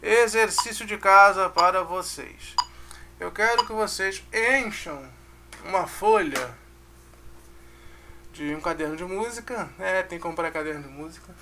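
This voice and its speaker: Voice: mid-range voice, unhurried, noisy background. A music teacher with a Brazilian Portuguese accent, giving a casual online lesson, counting beats aloud and checking in with the class.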